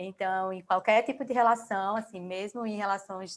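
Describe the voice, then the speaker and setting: A woman's medium-pitched voice in a Paraíba accent, with ordinary pitch variation, over a quiet background. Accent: Northeastern Brazilian (Paraíba). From Brazil, Paraíba (João Pessoa). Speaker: lawyer and startup-law firm co-founder. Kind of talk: panel discussion.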